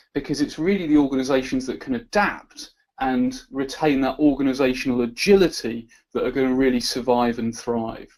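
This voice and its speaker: With a British accent, a man talks at a fairly quick pace. His pitch is medium, with ordinary pitch variation. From southern England, Portsmouth. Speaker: business analysis consultant and presenter. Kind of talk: webinar presentation. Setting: live online webinar.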